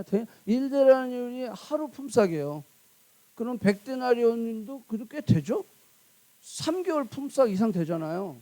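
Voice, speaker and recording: A woman pastor preaching a sermon in a church, emphatic and full of rhetorical questions to the congregation. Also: high voice.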